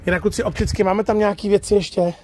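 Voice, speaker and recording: High-pitched and darkish in tone, the man's voice barely moves in pitch as he hosts a casual car review vlog. He chats informally through a walkaround outdoors at a used car lot, then continues from inside the car, habitually adding "jo" to his sentences.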